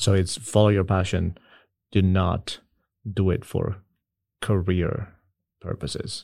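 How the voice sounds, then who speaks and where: A man's very deep, low, dark and mellow voice with an Italian accent, fairly even intonation, a fairly slow pace and long, frequent pauses, on a very clean recording with a silent background. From rural Italy. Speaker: pharmacology professor and researcher. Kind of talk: interview. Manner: halting.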